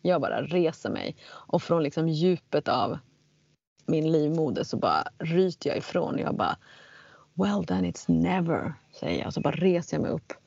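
Gravelly woman telling a story. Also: deep voice, dry recording, highs cut off. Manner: animated, acts out quotes in English. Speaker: guest telling a personal story. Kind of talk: casual storytelling in conversation.

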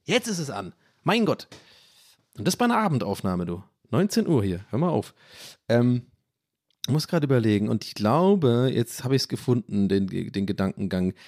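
A man's voice: mid-range voice, very animated, moderate pace, darkish tone, dry recording, studio quality. A man in his thirties with a German accent, hosting a podcast in casual, rambling chat that keeps losing its thread. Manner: rambling, loses his train of thought, self-mocking. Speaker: podcast host.

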